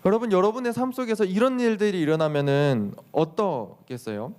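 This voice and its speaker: A young man, a youth pastor, preaching to teenagers in a lively storytelling way, asking the listeners questions and acting out what people say. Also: high-pitched, fairly quick. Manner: lively storytelling, acts out quotes with exclamations; addresses the listeners directly with questions. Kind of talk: sermon to teenagers.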